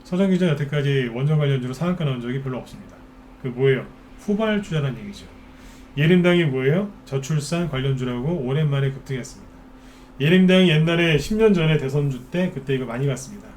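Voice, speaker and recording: A man's voice: mid-range voice, fast talker, a little mellow, a little hiss or hum. A man hosting a stock market broadcast, talking casually and firing off rhetorical questions, often mimicking worried investors. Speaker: stock market expert host.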